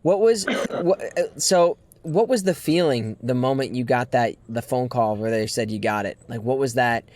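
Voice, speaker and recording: Male podcast host, mid-pitched voice, warm praise, casual chat. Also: normal speed, few pauses. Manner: effusive, admiring.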